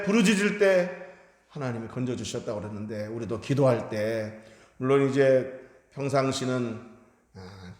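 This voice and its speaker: A man preaching a Sunday sermon in a church sanctuary, earnest, his voice swelling loud on points of emphasis. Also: medium pitch. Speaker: pastor. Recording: echoey hall reverb.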